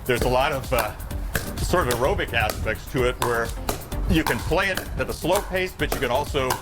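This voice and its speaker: A man's voice: mid-range voice, animated, normal speed. A man speaking as a sports instructor, explaining things informally in a live TV interview. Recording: music playing behind the voice. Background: background music.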